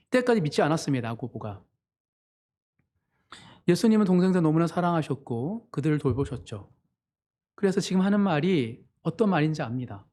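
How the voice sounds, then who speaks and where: A man's voice: big pitch swings, fairly quick, long pauses, darkish tone. A man preaching a Sunday sermon as pastor, in an earnest manner. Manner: earnest preaching, voices quoted family members with sudden pitch jumps.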